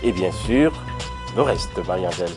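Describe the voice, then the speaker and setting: A man anchors a TV news program with a lively, up-and-down delivery, and soft music plays behind him. He leads into segments with a rising announcer tone. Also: low-pitched, a little slow, vocal fry. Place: TV studio.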